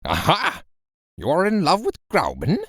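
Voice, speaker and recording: A man's voice: a little high, wildly swooping pitch, moderate pace, a bit bright, dry recording, studio quality, voice pushed up, full character voice. A man doing a stern old professor. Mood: probing. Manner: brusque, commanding.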